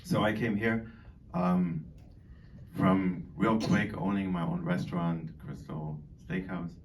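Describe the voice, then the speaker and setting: A middle-aged man from Boston, raised in Germany, talks to residents in a deep, chatty way, wandering between points with plenty of ums. He is heard from a distance from the microphone. Faint background noise fills the gaps. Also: steady tone, takes it slowly. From born in Boston, grew up in Germany. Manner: rambling and chatty, many fillers. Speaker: dining director. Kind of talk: informal speech to an audience. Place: community hall.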